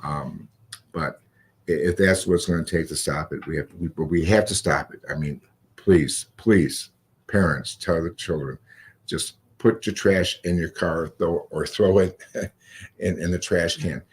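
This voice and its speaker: A male police chief talks in a radio interview with an extremely low, husky voice. He speaks haltingly and repeats short phrases for emphasis.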